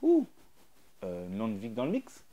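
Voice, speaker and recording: A middle-aged man, a DJ guest, answering interview questions in a joking, blunt way, with many fillers and pauses. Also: on the low side, huge pitch swings, mellow, dull audio. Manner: jokey, blunt, hesitant with fillers. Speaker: DJ and producer guest.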